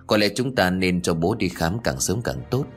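Man doing a worried grown son, deep and firm, sounds a bit far off. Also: big pitch swings, moderate pace, soft background music.

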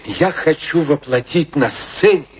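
An actor playing an arrogant, self-absorbed artist in a radio play, pompous, scornful and declamatory. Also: male voice, fairly high pitch, expressive, measured pace, breathy edge, exaggerated voice. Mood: grandiose. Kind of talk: dramatic radio play acting.

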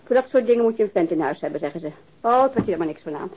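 An actress playing a bossy, teasing, practical woman at home in a naturalistic radio drama, brisk and bantering. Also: fairly low pitch, lively intonation, breathy edge. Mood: brisk, dismissive. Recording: muffled radio drama recording.

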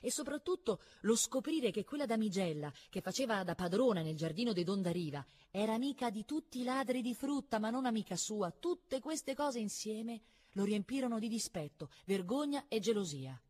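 A woman reading a novel aloud in a calm, measured narrating voice. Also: on the high side. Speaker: reader.

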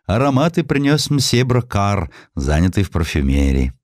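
Genteel shop owner and doting father read by a male narrator, courteous, lilting with lively pitch, historical audiobook. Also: normal speed, dry recording, clean studio sound. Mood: fond, courteous. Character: genteel Belgian shopkeeper, a fond, courteous father.

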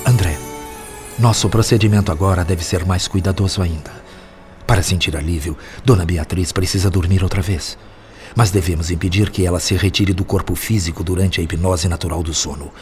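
An actor playing a wise, patient spirit mentor in a radio drama, speaking in a measured, instructive, solemn way. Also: male voice, deep voice, steady tone, a little mellow, soft background music, close to an everyday voice. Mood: solemn instruction.

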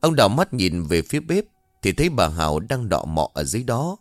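A man narrating a scripted ghost story in an expressive, dramatic way. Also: lowish voice, a little fast, no room sound, clean studio sound, soft background music.

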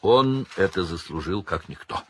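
A man's voice: low-pitched, lively intonation, moderate pace, a bit bright, a little hiss or hum. A man doing a firm, breathless boy wizard. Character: determined teenage boy wizard.

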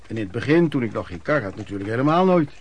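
Old Dutch street vendor reminiscing, folksy. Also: male voice, mid-range voice, big pitch swings, rapid-fire, a little hiss or hum. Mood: matter-of-fact reminiscing. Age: older. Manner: folksy, wordy storyteller with quaint old-fashioned phrasing. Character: plain-spoken former male street vendor and vagrant reminiscing. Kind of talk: radio play monologue in interview form.

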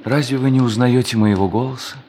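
An actor playing a desperate, ageing male embezzler in a radio play, halting and stammering as he pleads. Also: mid-range voice, mellow, slight background noise, lightly acted. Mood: earnest, weary. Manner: halting, stammering, repeats himself imploringly. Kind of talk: Russian radio play acting.

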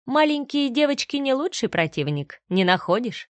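A woman voicing a cold, menacing man who threatens his former partner with slow, sneering words, in a storybook reading. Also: high voice, sing-song, dry recording, voice pushed up.

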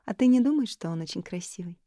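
A woman reading an audiobook, voicing a lively, teasing young married woman who is insistent and hungry for gossip. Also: on the low side, quick pace, no room sound, studio quality, close to an everyday voice.

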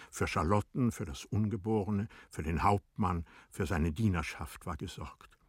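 A male narrator tells a classic literary story in a formal, measured way. His voice is low and husky, recorded close and dry. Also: dry recording.

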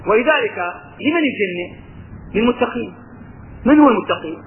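High-voiced Levantine sheikh on a tinny recording. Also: male voice, a little fast, creaky, slight background noise. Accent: Levantine Arabic. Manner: lively, mixes colloquial talk with recited verses, asks rhetorical questions. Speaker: religious teacher. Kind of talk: religious lesson.

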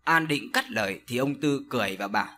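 A man narrating a horror audio story in an expressive storytelling manner. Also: medium pitch, a little fast, a little hiss or hum.

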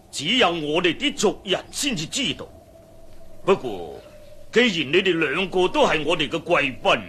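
A man's voice: fairly high pitch, bright, forceful tone, a little hiss or hum, exaggerated voice. A man with a Hong Kong accent playing a formal, solemn desert tribal chief in a radio drama.

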